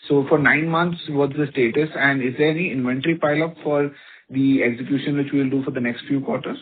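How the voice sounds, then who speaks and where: A man's voice: medium pitch, steady tone, brisk, a little hiss or hum. An Indian-accented man, a financial analyst asking questions on an earnings call, politely and a little hesitantly. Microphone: phone. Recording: tinny, radio-like phone line.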